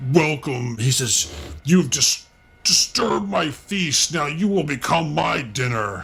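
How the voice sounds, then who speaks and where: A man bellows in a put-on character voice, pitched fairly high, at a fairly slow pace. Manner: bellowing, menacing.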